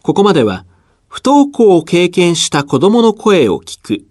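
Lively high-voiced male radio announcer. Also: normal speed, no echo. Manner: smooth, clear announcing. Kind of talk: scripted radio presenting. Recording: dry studio voice over soft guitar.

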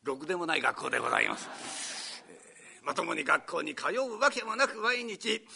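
An older man from Japan giving a formal, theatrical storytelling performance in a hall, breaking into shouted character voices. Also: fairly high pitch, lively intonation, moderate pace, gravelly, heavy background noise. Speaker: rakugo storyteller.

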